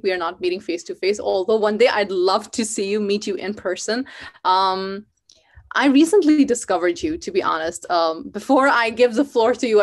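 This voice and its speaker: A woman in her thirties from Pakistan, an Urdu speaker, hosting a live interview over a video call from home with many fillers. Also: mid-range voice. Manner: warm, earnest, many fillers. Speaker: host. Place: home room, indoors.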